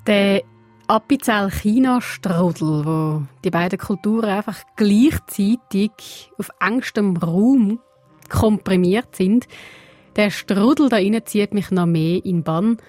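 A woman whose first language is Portuguese, narrating a radio feature in a lively storytelling manner. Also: mid-range voice, slow, no room sound, soft background music. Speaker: radio reporter and presenter. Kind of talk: scripted narration with reportage.

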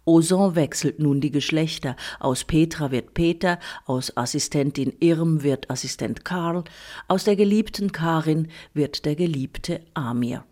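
A woman's voice: low-pitched, warm tone. Female film critic reading a scripted review. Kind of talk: scripted radio-style film review narration.

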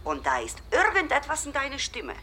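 A woman's voice: high-pitched, wildly swooping pitch, a little fast, background noise. A teasing, suspicious girlfriend. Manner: teasing and dramatic.

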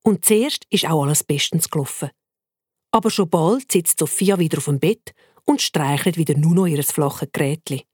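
A woman with a Swiss German accent reading a children's story aloud in a lively, expressive way. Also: deep voice, normal speed, slightly rough, no echo, clean studio sound. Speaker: narrator.

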